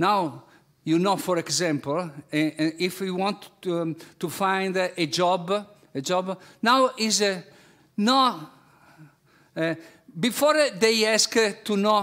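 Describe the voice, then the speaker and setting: Speaking with a strong Italian accent, a man with a high, bright, sharp voice moves at a very slow pace, with long, frequent pauses and ordinary pitch variation. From Italy. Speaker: basketball coach. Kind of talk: webinar Q&A talk. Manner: halting, many fillers and repeats; animated.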